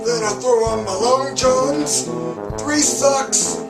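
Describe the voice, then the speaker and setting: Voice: high-pitched, slow pace, creaky, reverberant, recorded from a distance, over loud music, exaggerated voice. A performer voicing a grumpy old married man in a folksy, griping comic monologue. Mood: grumbling. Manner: grumbling, folksy, deadpan griping. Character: grumpy old married man Henry complaining about winter cold.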